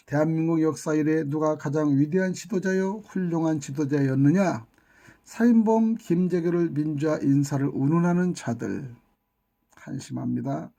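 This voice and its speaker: A man delivers a heated monologue in a scolding, lamenting tone, hurling insults and rhetorical questions. His voice is dark and mellow, yet raspy with fry, and sits somewhat high for a man. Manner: scolding, indignant, hurls insults. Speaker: YouTube channel commentator. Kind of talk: impassioned political monologue.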